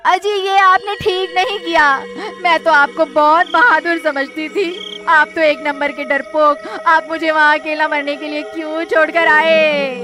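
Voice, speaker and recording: Fretful cartoon wife, pleading and complaining, voiced by a woman; very high, over music. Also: steady tone, a little slow, few pauses. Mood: reproachful.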